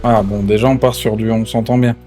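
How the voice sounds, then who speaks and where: A man's voice: fairly low pitch, level tone, brisk, warm tone, soft background music. A man in improvised online role-play, questioning others like an interrogator, often stumbling and repeating himself. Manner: hesitant, repetitive, pressing questioner.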